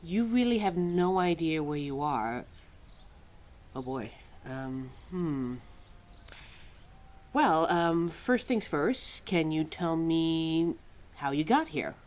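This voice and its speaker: Woman playing a slow, animated, scatterbrained immortal lore keeper. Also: sits low. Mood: flustered, curious. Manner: flustered, hesitant, exclaiming, talking to a listener. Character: scatterbrained, centuries-old female keeper of forgotten lore. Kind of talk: ASMR-style roleplay audio drama.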